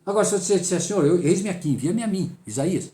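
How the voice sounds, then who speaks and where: A man's voice: high voice, expressive, fast talker, warm tone, echoey room. A man with a Brazilian accent leading a Bible study, emphatic and full of rhetorical questions he answers himself.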